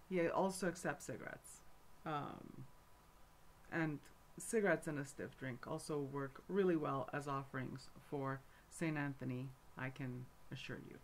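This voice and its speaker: Rambling middle-aged woman, lowish voice. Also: slight background noise. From Montreal, Canada. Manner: rambling, with many fillers and asides. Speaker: folk magic teacher. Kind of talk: casual talk to camera.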